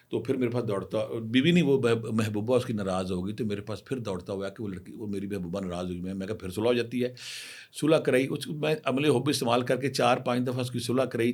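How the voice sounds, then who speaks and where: A middle-aged man tells cautionary stories as a spiritual healer. His voice sits fairly low and comes across husky, and he drives his advice home with emphasis, speaking directly to the women watching. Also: a little mellow. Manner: anecdotal, emphatic, speaks straight to women viewers. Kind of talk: storytelling advice talk.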